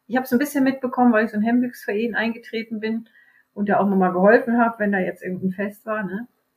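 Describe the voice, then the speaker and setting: Speaking very fast, a woman has a fairly high pitch and a somewhat breathy voice. Her intonation stays fairly even. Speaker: hostel owner. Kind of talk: interview.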